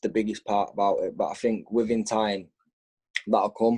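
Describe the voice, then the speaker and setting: Speaking with a northern English accent at a moderate pace, a man sounds dry and close with no echo. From northern England, Bradford. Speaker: music artist. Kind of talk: casual chat. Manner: halting.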